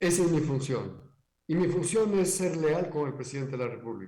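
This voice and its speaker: In a room with audible echo, a man speaks at a moderate pace with a fairly high pitch. His tone is dark, mellow and somewhat breathy, with ordinary pitch variation. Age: 70s. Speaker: government official, former university rector. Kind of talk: radio interview. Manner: halting.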